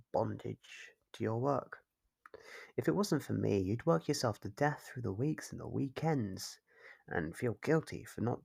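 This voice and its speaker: A man playing a calmly controlling, doting yandere kidnapper in an ASMR roleplay, speaking in a measured, formal, fussily caring way. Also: medium pitch, gravelly, husky, exaggerated voice. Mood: tender, possessive. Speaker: voice actor.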